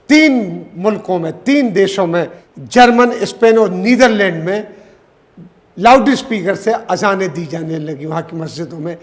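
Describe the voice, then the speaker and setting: A man with a high voice delivers spoken news commentary off the cuff, often pausing with fillers and rephrasing mid-sentence. His voice sits in a long, ringing reverb. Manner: unscripted, with fillers and restarts.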